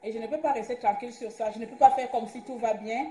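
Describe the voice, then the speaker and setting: A woman's voice: a little high, fast talker, warm tone, roomy sound, faint music behind. A woman hosting a casual livestream, agitated and openly saying she is angry and impulsive. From Gabon. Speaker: livestream host. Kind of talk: casual live-stream talk.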